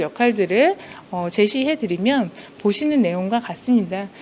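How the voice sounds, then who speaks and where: A woman with lively intonation at a moderate pace. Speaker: transport policy researcher. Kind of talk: conference presentation. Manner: halting.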